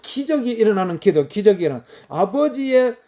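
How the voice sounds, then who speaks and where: A man's voice: high-pitched, sing-song, a little fast, warm tone. A male pastor preaching a sermon in an emphatic, rambling way, full of fillers, and bursting into wailing prayers as he quotes them.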